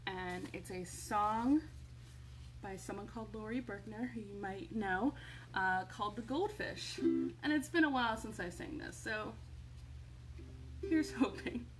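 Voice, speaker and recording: A woman hosting a storytime for small children, reading and chatting in an expressive, sing-song manner, recorded indoors at home. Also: medium pitch, measured pace, long pauses, rough recording. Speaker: children's librarian, storytime host. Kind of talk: children's storytime read-aloud and chat. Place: indoors, home living room. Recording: home recording with faint background noise.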